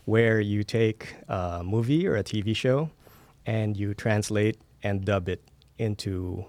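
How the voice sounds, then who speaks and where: A man's voice: lowish voice, measured pace, a little mellow, dry recording. A man from the Philippines speaking as an interview guest, explaining his work conversationally. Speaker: interview guest, audio studio owner.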